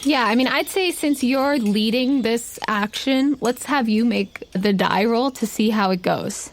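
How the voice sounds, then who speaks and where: A woman's voice: a little high, a little slow. A woman running a tabletop game, narrating off the cuff and putting questions to the players. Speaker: game master.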